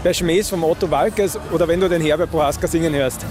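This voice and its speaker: An Austrian man reports from an event for radio. His voice is fairly high, with loud music running behind his narration and questions. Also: brisk.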